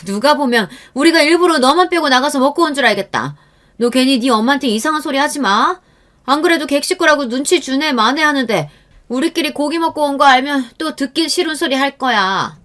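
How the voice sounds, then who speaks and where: A woman voicing a sharp-tongued middle-aged aunt who scolds and needles her niece in a spoken true-story tale. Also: high-pitched, brisk, voice pushed up. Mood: defensive, irritated.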